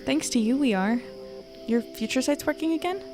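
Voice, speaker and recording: A woman's voice: high voice, expressive, normal speed, over music. A woman playing an earnest, tired young woman reporter in an audio drama, with dialogue and first-person narration. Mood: relieved, grateful.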